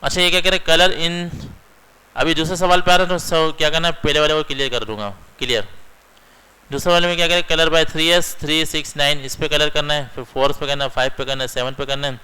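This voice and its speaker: A man's voice: a little high, steady tone, fairly quick, sharp tone, clean tone, rough recording. A young man teaching a computer lesson, walking through each step and often checking in with his students. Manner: explains step by step, keeps checking in with "theek hai". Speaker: computer instructor. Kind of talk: screen-recorded computer lesson.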